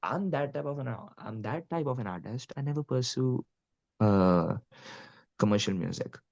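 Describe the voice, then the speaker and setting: A man's voice: medium pitch, animated, moderate pace, gravelly, darkish tone, highs cut off. A young man with an Indian Punjabi accent, a guest musician talking earnestly and casually, with lots of "you know" and "like". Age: young adult. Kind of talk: casual interview talk.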